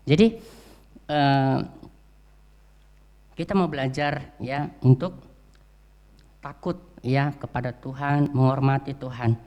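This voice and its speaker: A man's voice: mid-range voice, steady tone, takes it slowly, pauses often, darkish tone. A man preaching a sermon in a church, talking conversationally with many "ya" and "eh" fillers as he tells stories. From Indonesia. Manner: frequent "ya" and "eh" fillers, conversational storytelling. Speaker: religion teacher.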